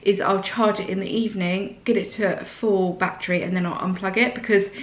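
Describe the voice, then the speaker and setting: A woman vlogger with a slight sore throat, chatting excitedly through a casual unboxing indoors. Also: medium pitch, fairly quick, echoey room.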